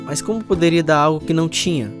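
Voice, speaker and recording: A man acting as an earnest, troubled young Bible college student who tells his story in a measured, confessional radio drama style. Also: a little high, close to an everyday voice. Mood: anguished, confessional. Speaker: narrator and lead actor. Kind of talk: dramatized first-person radio testimony. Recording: music under the voice.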